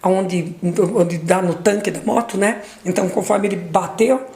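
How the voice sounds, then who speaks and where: A middle-aged woman giving an emotional testimony as a mother, retelling dialogue, repeating words, her voice leaping high at intense moments. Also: normal speed, mellow, echoey room.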